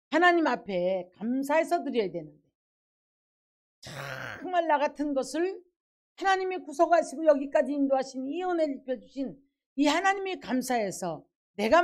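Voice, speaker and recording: Woman pastor, middle-aged, high voice, emphatic preaching style that voices quotes. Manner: preaches with acted quotes and emphatic rhetorical questions. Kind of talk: sermon.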